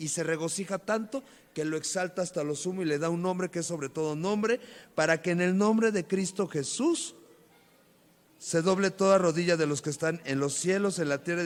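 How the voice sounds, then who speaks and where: Using a high pitch with ordinary pitch variation, a man speaks at a moderate pace. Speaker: pastor. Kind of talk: sermon. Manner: stutters when reading.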